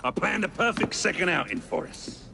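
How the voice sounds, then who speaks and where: An actor playing a flamboyant, theatrical gang boss who speaks in a playful, grandiose way in a game cutscene. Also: male voice, sits high, wildly swooping pitch, gravelly, music in the background, full character voice. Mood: theatrical glee. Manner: playful, grandiose, drawn-out delivery. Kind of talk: video game cutscene acting.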